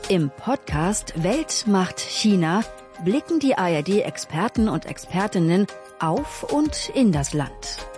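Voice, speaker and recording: A woman reading a scripted podcast promo, slow and dramatic. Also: medium pitch, very animated, darkish tone, faint music behind. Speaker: promo announcer.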